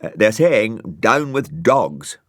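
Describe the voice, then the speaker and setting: A man's voice: on the low side, big pitch swings, slow, a bit bright, no room sound, clean studio sound, pitched above the performer's own voice, heavily acted. A man voicing a chirpy, cheeky snail in a storybook reading, chatty and jaunty. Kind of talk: storybook character voice.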